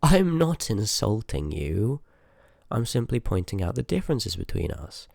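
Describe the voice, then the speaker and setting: Man acting a deep, gravelly, sardonic sorcerer. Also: very animated, unhurried, darkish tone, no echo, full character voice. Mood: irritated, sarcastic. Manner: sarcastic, dry banter with muttered asides. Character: rude, sardonic, curious male sorcerer in a fantasy world. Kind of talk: ASMR audio roleplay acting, addressed to the listener.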